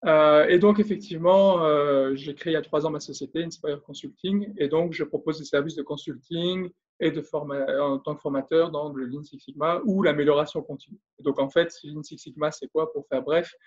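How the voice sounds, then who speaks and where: Man in his thirties, Belgian French accent, fairly high voice, hesitant, dull lo-fi sound. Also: fairly even intonation, a little fast, hardly any pauses. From France. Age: 30s. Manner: hesitant, many fillers and restarts. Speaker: guest, business consultant and trainer. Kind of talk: casual interview, explaining.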